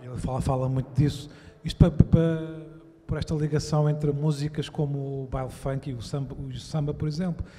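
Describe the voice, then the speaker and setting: A man's voice: fairly high pitch, little pitch movement, brisk, warm tone, in a large hall. A man, talking thoughtfully and emphatically as a debate panelist. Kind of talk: reflective panel talk.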